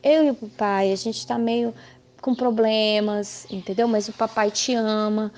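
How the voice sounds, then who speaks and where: Brazilian woman from a church ministry talking straight and emphatic, kinda high voice. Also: fairly even intonation, a little slow, a little mellow. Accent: Brazilian Portuguese. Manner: emphatic, frank, acts out quoted voices. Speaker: Christian ministry leader. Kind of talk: personal testimony talk.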